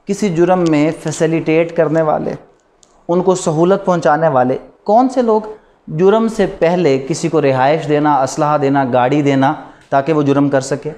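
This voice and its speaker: A man's voice: a little high, darkish tone. A man with a Pakistani accent giving a classroom lecture, didactic, repeating points and posing rhetorical questions. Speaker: law lecturer. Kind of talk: classroom lecture mixing Urdu with English legal terms.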